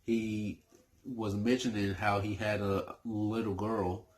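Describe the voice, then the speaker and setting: A man's voice: lowish voice, flat delivery, slow. A man chatting casually about his favorite movies for his channel, hesitant and full of fillers and restarts. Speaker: movie review YouTuber.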